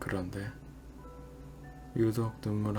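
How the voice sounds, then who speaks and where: With music in the background, a man speaks at a very slow pace in a fairly low, soothing voice with ordinary pitch variation. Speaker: audiobook reader, bedtime reading channel host. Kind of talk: literary fiction reading. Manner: slow, soft-spoken, soothing.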